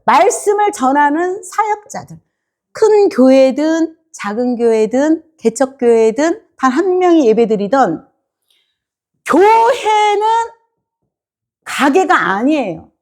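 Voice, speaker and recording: Lively high-voiced woman preaching a sermon. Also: slow pace. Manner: lively, quizzes the congregation, acts out the people she describes. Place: church sanctuary.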